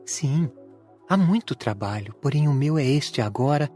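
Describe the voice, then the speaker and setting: A woman voicing a calm, devoted male spirit helper in an audiobook, speaking tranquilly. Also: very deep voice, a little slow, faint music behind, voice pushed down. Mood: serene, devoted.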